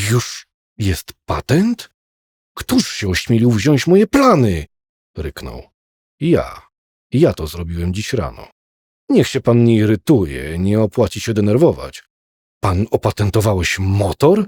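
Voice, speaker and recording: In a theatrical tone, a man speaks very slowly at a fairly low, somewhat breathy pitch with very wide pitch swings. Long, frequent pauses break up his speech, and the sound is dry and close with no echo. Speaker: audiobook narrator. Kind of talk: dramatic audiobook narration of a detective story. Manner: vivid, theatrical, suspenseful.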